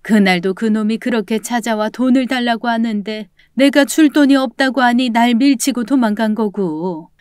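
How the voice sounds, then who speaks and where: A woman's voice: on the high side, normal speed, hardly any pauses, darkish tone, clean tone, dry recording, studio quality, lightly acted. A woman voicing a sly, stubborn old female con artist who scolds and blames others, in a storybook drama. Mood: aggrieved.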